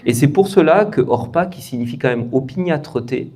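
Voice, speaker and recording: French male preacher, warm mellow tone, chatty sermon delivery with questions to the congregation. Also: medium pitch, fairly quick. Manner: asks the congregation questions, lively and conversational. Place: church.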